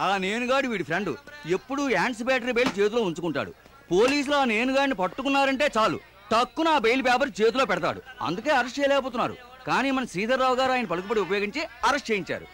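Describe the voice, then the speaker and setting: A man's voice: very high-pitched, animated, fairly bright tone, faint music behind. An actor in a film playing a townsman who gossips and tells tales. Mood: gossipy. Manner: gossipy, rapid storytelling. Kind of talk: film dialogue.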